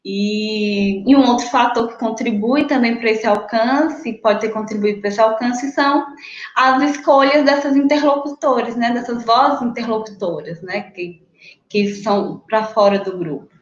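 A woman's voice: fairly high pitch, measured pace. A young Brazilian woman speaking on a university panel from home over a video call, thoughtful and full of fillers and restarts. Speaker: panelist, graduate researcher. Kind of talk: academic panel talk, casual. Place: small room at home, indoors. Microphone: laptop webcam on video call. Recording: echoey room, dull lo-fi video call audio.

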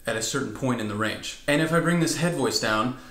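A man's voice: medium pitch, fairly quick, heavy background noise. A male vocal coach explaining chest, mix and head voice, now and then demonstrating with sung whoops. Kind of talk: singing lesson with vocal demonstrations. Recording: roomy echo.

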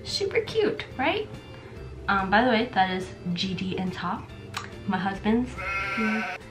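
A woman's voice: mid-range voice, sing-song, slow, faint music behind. A young woman in her twenties, sick with a stuffy nose and losing her voice, chatting casually to the camera as she shows off her gifts, with lots of fillers. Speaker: vlogger. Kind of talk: casual product unboxing vlog. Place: small bedroom with camera shelves, indoors.

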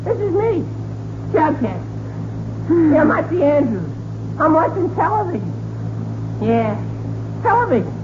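High-pitched goofy American teenage boy. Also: measured pace, long pauses, full character voice. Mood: oblivious. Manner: excitable, oblivious, naive. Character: goofy, clueless, whiny teenage boy, the friend. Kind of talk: 1940s radio comedy acting. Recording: dull, noisy 1940s radio recording.

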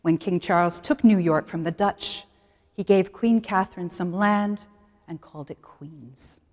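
A middle-aged woman presenting an English lesson, talking slowly and clearly as she guides students through the exercises. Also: fairly low pitch, darkish tone, in a large hall. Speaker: English teacher. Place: studio in front of a plain wall.

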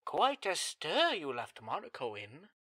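A woman's voice: sits low, wildly swooping pitch, unhurried, pushed and bright, no echo, clean studio sound, exaggerated voice. A woman voicing a scheming, genteel male villain bird with a pompous, silky manner in a cartoon fan dub. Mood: smooth, persuasive. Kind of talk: fan-dub comic acting.

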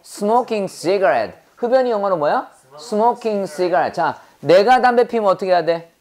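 A woman with a Korean accent teaches an English grammar lesson. She fires short questions at her students one after another. She slows right down to drill English phrases for them to repeat. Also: medium pitch, lively intonation, a little mellow. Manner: quizzing students with rapid rhetorical questions. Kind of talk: classroom grammar lecture.

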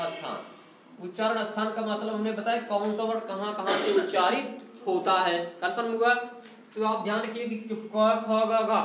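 A man with a high voice and a North Indian accent teaches a classroom lesson at the board. He keeps quizzing the class and checking that they have understood. The room is echoey, with faint noise behind him. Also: fairly bright tone. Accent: North Indian, Uttar Pradesh. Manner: repeats questions to the class and asks for confirmation. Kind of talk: classroom lecture.

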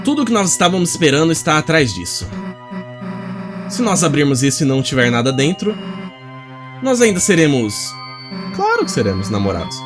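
A man voicing a rough, rowdy teenage girl bully from a video game, blunt and mocking. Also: a little high, wildly swooping pitch, fairly quick, pauses often, over music. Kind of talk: video game dialogue read aloud.

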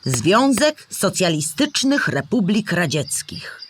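A woman's voice: lowish voice, sing-song, slow pace, noisy background. A woman playing a kindly old storybook animal who patiently explains history to a child in a children's audio play. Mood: patient, explaining. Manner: patient, clear explaining in simple words.

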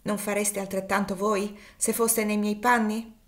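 Woman doing an intense young man in an audiobook, low and grave. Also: little pitch movement, unhurried, natural voice. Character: fierce young man defending his family.

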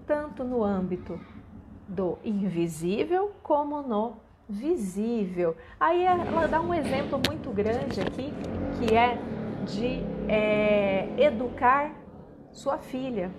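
A woman delivers a devotional talk at an unhurried pace. She is reflective and measured, and often checks in with her listeners through soft tag questions. Faint background noise sits under the recording. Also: on the high side, lively intonation. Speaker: spiritist lecturer. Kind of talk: devotional lecture.

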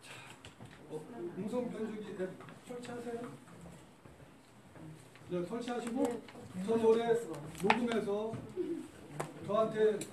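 A man's voice: very high-pitched, steady tone, takes it slowly, pauses often, noisy background. A man leading an informal hands-on training session as an English teacher. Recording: echoey room, far mic, participant chatter.

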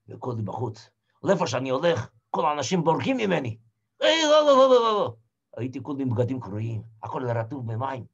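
An actor playing a shipwrecked old Hasid, telling his story in the first person and swinging from hushed murmurs to shouted cries. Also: mid-range voice, breathy edge. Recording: dull lo-fi recording.

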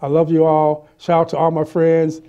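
A middle-aged man hosting a casual talk show in a small studio, animated, laughing often and stammering as he repeats words. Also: on the high side, normal speed, phone-quality sound. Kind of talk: casual interview chat. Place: small studio set with city backdrop, indoors.

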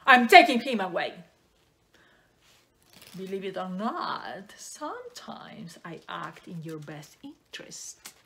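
An actress playing a haughty, indignant theatrical mother, melodramatic, swinging between loud outbursts and breathy hissing. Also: fairly high pitch, exaggerated voice. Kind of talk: melodramatic stage comedy acting. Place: small plain room, medium close camera.

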